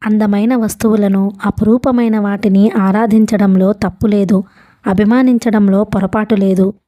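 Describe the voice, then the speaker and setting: Mellow-voiced woman narrating a novel. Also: steady tone, moderate pace. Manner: reads all characters with small pitch lifts for dialogue. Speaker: audiobook narrator.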